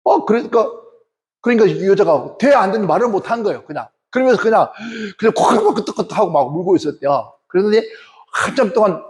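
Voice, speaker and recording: A male pastor preaching a sermon with animated, folksy storytelling. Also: sits high, quick pace.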